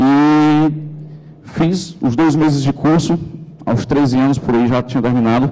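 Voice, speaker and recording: With a Ceará accent, a man talks at a fairly slow pace with long, frequent pauses, very even loudness and fairly even intonation, against noticeable background noise. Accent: northeastern Brazilian (Cearense) Portuguese. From Brazil, Ceará (Fortaleza). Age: 20s. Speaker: panelist, youth apprentice in tech. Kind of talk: panel talk, personal testimony. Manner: casual, colloquial.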